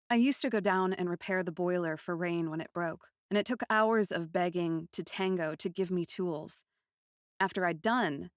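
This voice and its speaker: A woman's voice: on the low side, dry recording, close to an everyday voice. Emotive young princess played by a woman, dry recording. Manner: intense, emotive. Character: grieving, passionate young captive princess narrating her story. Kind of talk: dramatic first-person storytelling, fan-fiction podcast.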